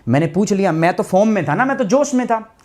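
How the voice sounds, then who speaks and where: A man's voice: high voice, animated, quick pace, darkish tone. Chatty male teacher. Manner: chatty, anecdotal, addresses students as bhai. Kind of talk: live online class, storytelling aside.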